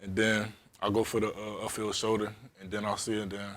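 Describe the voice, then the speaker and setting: A young man being interviewed as a college football guest, answering in a relaxed, polite way with plenty of "like" fillers. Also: fairly low pitch, fairly quick. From Japan. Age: young adult.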